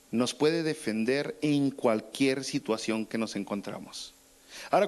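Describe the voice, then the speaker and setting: A pastor preaching a sermon, casual and conversational, with colloquial asides. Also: male voice, medium pitch. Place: church.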